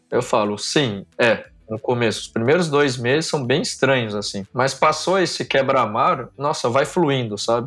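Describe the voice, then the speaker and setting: A man with an unremarkable speaking voice talks fairly slowly at medium pitch, with ordinary pitch variation and hardly any pauses. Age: 40s. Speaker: physical trainer and running coach. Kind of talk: casual chat.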